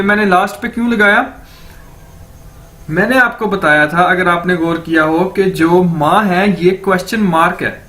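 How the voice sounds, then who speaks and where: A man's voice: sits high, fairly bright tone. A man with a Pakistani Urdu accent teaching a language lesson, patiently repeating each word and checking in with his viewers.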